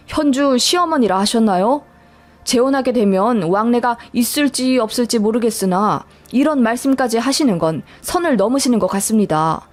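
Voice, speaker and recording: Woman doing a calm, dignified older man. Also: on the high side. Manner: firm, measured and polite.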